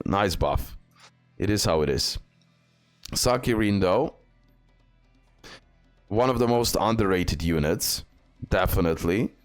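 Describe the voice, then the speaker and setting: Deep-voiced man talking through game skills. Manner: reads skill text aloud with fillers and restarts. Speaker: gaming video host. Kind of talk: game tier list commentary.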